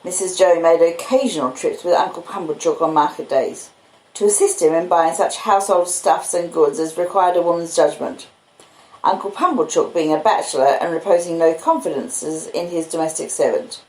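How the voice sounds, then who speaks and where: A woman's voice: lowish voice, normal speed, darkish tone, reverberant, poor audio. A woman with an Australian accent reading a classic novel aloud as scripted storybook narration. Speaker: audiobook reader.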